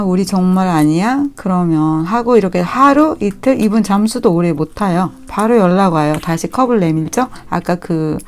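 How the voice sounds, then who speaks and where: A woman with a slightly low voice reads tarot cards for her viewers. She speaks gently and reassuringly, and now and then acts out the lines the people in the cards might say. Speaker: tarot reader.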